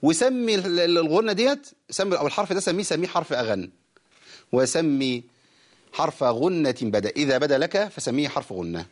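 An Egyptian man teaching Quran recitation on a broadcast lesson, explaining rules firmly and chanting verses of didactic poetry slowly. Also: on the high side, very animated. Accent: Egyptian Arabic. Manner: firm, corrective explanations.

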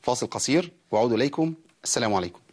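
A man with an Egyptian Arabic accent hosting a broadcast lesson on Quran recitation, explaining rules and slowly chanting verses of a teaching poem. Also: mid-range voice, animated, breathy edge.

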